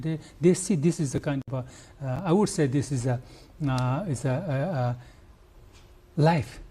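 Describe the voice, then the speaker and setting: An older Nepali man with a Nepali accent, a conservationist answering interview questions earnestly and haltingly, with restarts and fillers. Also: a little high, dark tone, slightly rough. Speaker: conservationist guest.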